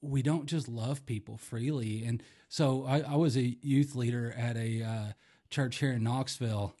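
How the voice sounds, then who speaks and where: A man, a podcast co-host and former youth leader, chatting casually in a halting way with many restarts. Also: mid-range voice, fairly even intonation, mellow. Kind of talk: casual chat.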